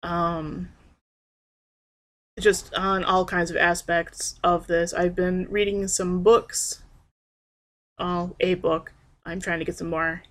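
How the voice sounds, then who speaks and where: A young trans man rambling in a personal video diary, hesitant and soft-spoken with frequent pauses and restarts. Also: sits high, level tone. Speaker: vlogger.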